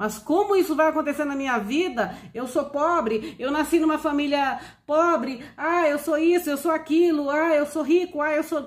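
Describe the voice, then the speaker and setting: Her pitch high, a woman talks at a moderate pace. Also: ordinary pitch variation, hardly any pauses. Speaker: Bible teacher. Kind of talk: Bible teaching video. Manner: halting, many fillers.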